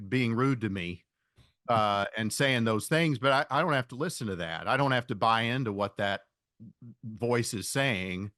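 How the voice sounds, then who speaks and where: A man giving reflective interview answers as a podcast guest, thoughtful and halting, rephrasing as he goes. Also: medium pitch, a bit bright, dry recording, clean studio sound.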